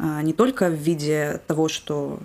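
This voice belongs to a woman. It sits very deep and low in pitch. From Rostov-on-Don, southern Russia. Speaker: ceramic artist. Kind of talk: casual chat. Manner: reserved, not very talkative.

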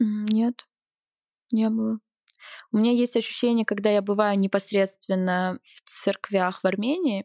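Dry, close sound with no echo, a moderate pace, and ordinary pitch variation. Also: woman. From Moscow, Russia. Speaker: fashion magazine editor. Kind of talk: casual chat.

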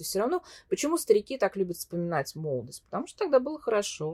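With very wide pitch swings, a woman talks at a fairly quick pace, the sound dry and close with no echo. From Soviet Union (Russia), early childhood in Greece. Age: 40s. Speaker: film critic and translator.

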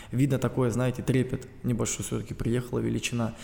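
A man rushes along at a very fast pace in a dark, mellow tone. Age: 20s. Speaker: martial arts champion. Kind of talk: interview. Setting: studio.

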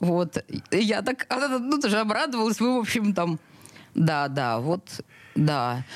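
Music sounds in the background. Over it, a woman's voice swings very widely in pitch. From Saint Petersburg (Leningrad). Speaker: journalist. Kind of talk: interview. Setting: radio studio. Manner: halting.

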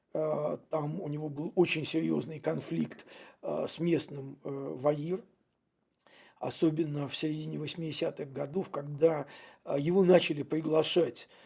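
At a very slow pace with long, frequent pauses, a man speaks in a somewhat breathy, dark, mellow tone, his intonation fairly even and his loudness swinging widely. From Russia, Leningrad. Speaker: innovation consultant. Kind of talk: interview. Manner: halting.

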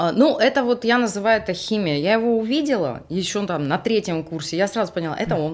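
An unremarkable speaking voice from a woman at medium pitch, fairly quick pace, lively intonation and hardly any pauses. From Transnistria. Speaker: stylist. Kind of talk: casual interview chat. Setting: studio.

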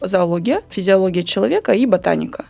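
A woman speaking against noticeable background noise. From Russia, Arkhangelsk region (Northern Dvina delta). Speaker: biologist and university lecturer. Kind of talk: interview. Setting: studio.

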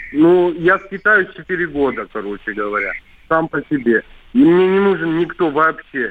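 A high-pitched man at a fairly slow pace, his loudness swinging widely. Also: lively intonation. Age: 40s. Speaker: radio caller. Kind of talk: call-in comment.

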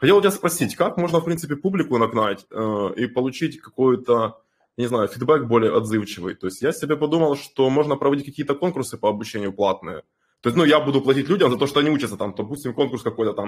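A man speaks very fast with lively intonation. The recording is very clean, with a silent background. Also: medium pitch for a man. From Ukraine. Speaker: crypto community member, channel creator. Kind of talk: casual question in group voice chat. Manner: halting.

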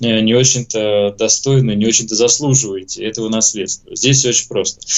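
A man speaks fairly quickly in an ordinary speaking voice. His pitch is medium and his intonation fairly even. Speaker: lawyer. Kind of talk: expert advice on call-in radio show. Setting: remote connection to studio. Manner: formal.

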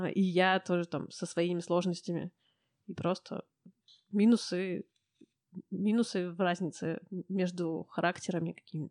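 In a dry, close sound with no echo, a woman talks fairly slowly at a fairly low pitch, her intonation monotone and flat, with big swings in loudness and long, frequent pauses. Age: 30s. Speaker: interior designer. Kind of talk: casual chat.

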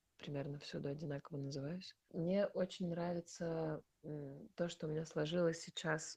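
Her voice is somewhat breathy and fairly low for a woman, with a dark, mellow tone and monotone, flat intonation. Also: moderate pace. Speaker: singer and vocal teacher. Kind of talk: interview conversation.

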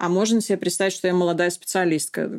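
In a very clean recording with a silent background, a woman talks in an unremarkable speaking voice at medium pitch with fairly even intonation. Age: 40s. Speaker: sociologist. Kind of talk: interview.

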